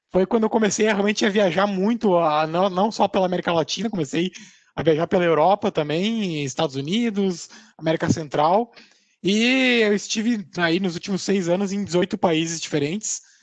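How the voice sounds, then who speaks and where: A moderate pace in a Rio Grande do Sul accent, with ordinary pitch variation. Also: man, high pitch for a man. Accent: gaúcho (Rio Grande do Sul). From southern Brazil (Rio Grande do Sul). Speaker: admissions director giving a talk to students. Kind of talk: online lecture to university students. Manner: halting, many fillers and repetitions.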